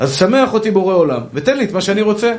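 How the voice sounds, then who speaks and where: An animated man with lively intonation, amid audible room echo and noticeable background noise. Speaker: rabbi giving Torah lectures. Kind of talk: religious lecture.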